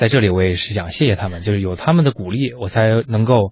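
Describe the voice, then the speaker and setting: A man with a fairly low pitch, somewhat breathy, at a very fast pace. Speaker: independent photographer. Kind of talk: radio interview. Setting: radio studio.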